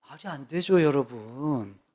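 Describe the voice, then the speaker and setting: A man's voice: medium pitch, animated, unhurried, darkish tone. A male pastor preaching a sermon, emphatic, repeating key words and asking rhetorical questions.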